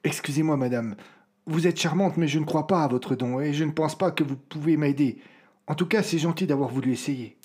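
Guy doing a tired amnesiac man, kinda breathy, polite but resigned. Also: a little high, fairly quick, darkish tone. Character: amnesiac man, weary and skeptical. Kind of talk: audio drama acting.

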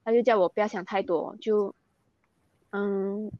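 A woman's voice: medium pitch, steady tone, measured pace, no echo, lo-fi sound. A young Malaysian woman speaking Mandarin with a Malaysian accent, earnestly recounting things in an interview and mixing in English words. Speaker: interview guest, athlete. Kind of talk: candid interview.

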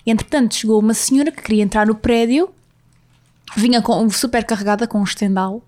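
A woman's voice: fairly high pitch, steady tone, fairly quick, darkish tone. A young woman telling a story on a podcast, hesitant and full of filler words. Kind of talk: casual chat.

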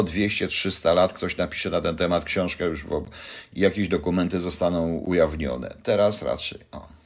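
Low-voiced older man chatting loosely. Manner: rambling, joking, addresses viewers directly. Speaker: livestream host answering viewers. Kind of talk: casual live chat.

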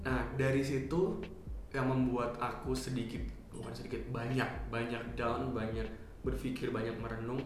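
A man's voice: medium pitch, flat delivery, moderate pace, a little hiss or hum. A young man from Yogyakarta, a podcast guest, talking in an earnest, confiding way and often repeating himself. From Yogyakarta, Indonesia. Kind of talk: casual podcast chat. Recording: very echoey room with faint ambience.

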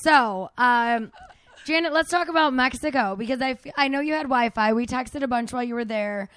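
A woman with a somewhat high voice co-hosts a casual conversation. She reacts bluntly and teases as she prompts for stories. The sound is dry, with very little room. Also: a little fast, fairly bright tone, smooth, no room sound. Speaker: podcast co-host.

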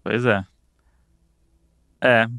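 A man's voice: lowish voice, fairly even intonation, drawn-out words, vocal fry, a bit bright, clear, resonant tone, dry recording, studio quality. Playful joking man, casual chat. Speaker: podcast co-host. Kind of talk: casual chat, reading quiz options.

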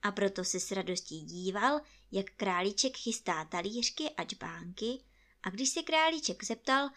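A woman reading a children's storybook aloud in an expressive, animated way. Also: mid-range voice.

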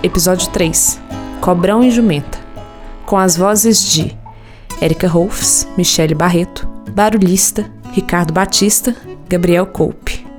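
A woman's voice: fairly low pitch, measured pace, a little mellow. A Brazilian woman reading scripted credits as the narrator of a radio serial. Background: music with plucked guitar.

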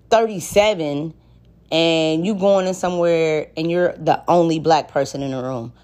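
A woman with an African American accent talking in a candid, casual podcast monologue, blunt and slangy with plenty of swearing. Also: medium pitch. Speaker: podcast host.

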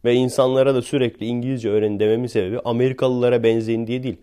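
A man's voice: medium pitch, level tone, racing, warm tone, clear, resonant tone. A man from Turkey hosting a podcast, talking in a chatty, sarcastic, rambling way and often laughing. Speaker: podcast host. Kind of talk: casual podcast monologue.

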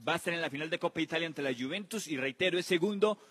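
High, husky man presenting football news, very reverberant. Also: racing, fairly bright tone, soft background music. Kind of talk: sports news round-up narration. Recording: long reverb on the voice.

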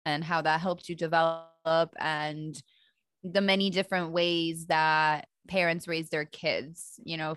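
A woman's voice: fairly low pitch, fairly bright tone, clear, resonant tone, no echo, studio quality. A young woman from Poland co-hosting a podcast, chatting casually and giggling often. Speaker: podcast co-host. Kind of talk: casual chat.

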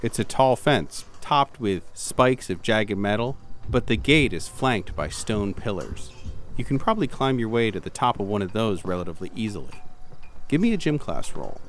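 A man narrating an atmospheric horror roleplay as game master, in a deliberate, theatrical, descriptive manner. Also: lowish voice, very animated.

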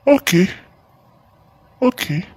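A man playing a fearful, devout young Christian in an audio drama, anguished and repeating his phrases in a husky voice. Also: slow, a little mellow, close to an everyday voice. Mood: troubled.

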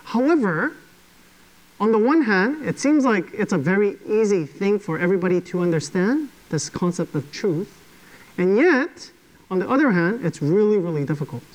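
A man's voice: high-pitched, expressive, moderate pace, rough recording. A man preaching a sermon to a congregation in a conversational way, often checking in with "okay?". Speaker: pastor.

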